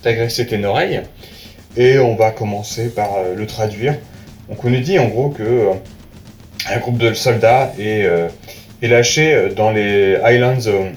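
A man hosting a casual spoken review, talking straight to the listener in a relaxed, halting way with lots of fillers and restarts. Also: lowish voice. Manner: hesitant, many fillers and restarts; informal, talks directly to the listener. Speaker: host reviewing a film's box art. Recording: echoey room with faint music.

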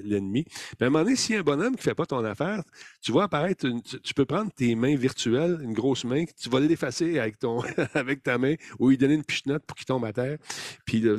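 A man's voice: on the low side, a little mellow, no echo, clean studio sound. A man with a Québécois French accent chatting casually and enthusiastically in slangy, colloquial language, rambling along as a podcast guest. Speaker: podcast guest talking about video games.

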